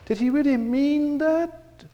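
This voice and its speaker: A man voicing a sly male devil who tempts and mocks in a coaxing, high, airy tone, in an echoey hall. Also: takes it slowly, muffled recording.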